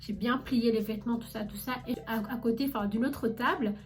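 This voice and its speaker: A young woman recounting a story in a casual vlog, chatty and animated, talking straight to her viewers. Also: fairly high pitch, fairly quick. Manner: chatty and animated, addresses viewers directly with many fillers. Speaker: vlogger recounting her job as a shop saleswoman.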